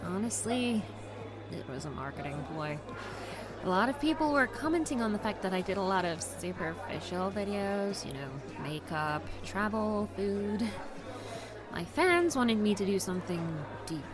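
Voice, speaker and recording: A woman in her twenties playing a lively, teasing young influencer friend in an audio drama, with music under her voice. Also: mid-range voice, natural voice.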